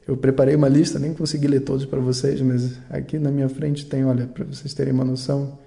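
A man giving a relaxed vocabulary lesson as a recorded phone voice message, reflective and pausing to search for words. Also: medium pitch, gravelly. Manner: slow, reflective, trails off while searching for words. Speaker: language teacher.

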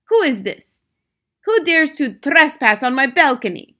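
Woman putting on a loud, imperious storybook witch. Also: fairly high pitch, big pitch swings, moderate pace, voice pushed up. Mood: angry, suspicious. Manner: haughty, barking commands and questions. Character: imperious, snappish, menacing female Grand High Witch.

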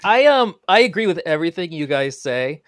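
A book club member lays out considered opinions, hedging and qualifying as they go. The voice sits at a middle pitch. The recording is dry and close. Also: sing-song, dry recording. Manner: thoughtful, measured opinions with hedging. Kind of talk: casual book discussion.

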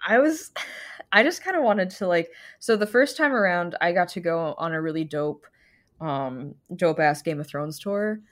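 A woman's voice: on the low side, animated, moderate pace, fairly bright tone. Giggly woman telling a story. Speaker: podcast co-host. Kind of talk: casual chat.

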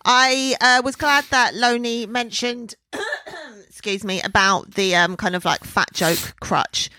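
A woman's voice: fairly high pitch, a little slow, bright, forceful tone, no room sound. A woman co-hosting a podcast, giving dry, blunt, wry takes in casual chat about a TV show. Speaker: podcast co-host.

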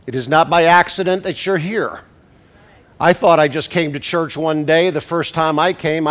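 A male pastor preaching a sermon, congested from a cold, who slows down to stress scripture and rises to emphatic preaching at climaxes. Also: a little high, a bit bright.

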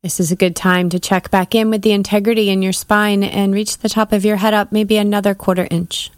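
A woman leading a guided breathing meditation as a podcast host and coach, giving measured, soothing instructions with pauses. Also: medium pitch, flat delivery, no echo, studio quality.

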